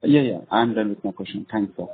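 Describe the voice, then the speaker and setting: Through a thin telephone connection, a male analyst with an Indian accent puts questions in a fairly low voice. He is deferential and hesitant as he phrases them. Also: brisk, slightly rough. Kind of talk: spontaneous questions on conference call. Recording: narrowband phone line.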